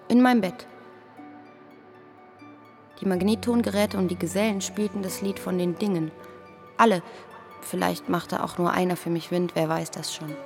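An actress playing a dreamy young woman who muses aloud from her diary in a radio play, speaking in a deliberate way. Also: on the low side. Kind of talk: scripted first-person monologue in a radio play.

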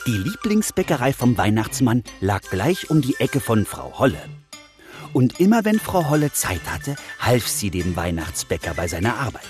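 A man narrating a children's Christmas story in a gentle, expressive voice of middle pitch. Soft music plays faintly beneath him. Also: normal speed.

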